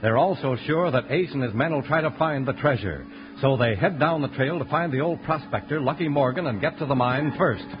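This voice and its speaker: A man announcing for a radio western in a folksy, enthusiastic style with a husky voice. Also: mid-range voice, fairly quick, music in the background. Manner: folksy, enthusiastic sales talk. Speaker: announcer and commercial pitchman. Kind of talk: 1950s radio announcing, cowboy-flavoured. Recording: dull old radio recording.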